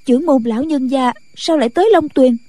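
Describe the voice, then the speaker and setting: A woman's voice: sits high, brisk, dark tone, no room sound, pitched above the performer's own voice. A woman voicing a respectful, worried nun disciple in an audiobook. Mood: anxious. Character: anxious, dutiful nun disciple. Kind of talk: audiobook character voice.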